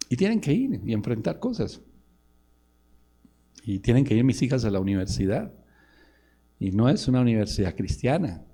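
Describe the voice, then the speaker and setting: A man's voice: fairly low pitch, vocal fry, warm tone. A man in his forties, a pastor with a Colombian Spanish accent, preaching a sermon with impassioned rhetorical questions.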